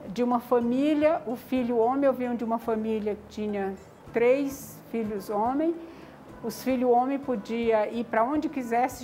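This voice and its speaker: A woman's voice: on the high side, mellow. Older woman telling her story. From Maranhão, Brazil. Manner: reflective, frequent "né?" and "tá entendendo?" tags. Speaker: community founder. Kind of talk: personal life story interview.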